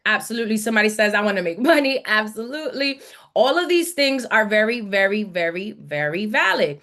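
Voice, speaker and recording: A woman coach leads a live online business masterclass. She speaks in a motivational, emphatic way, repeating key phrases to drive them home. Her pitch sits in the middle range for a woman. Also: expressive, brisk, a bit bright. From born in the Dominican Republic, grew up in New York City and South Florida.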